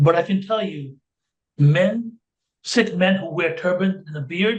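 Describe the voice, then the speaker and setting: This man's voice is high-pitched for a man, and he talks at a fairly slow pace. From immigrated to the US at age five, raised in US. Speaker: attorney. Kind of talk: Q&A answer at a summit panel. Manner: repeats words, stammering restarts.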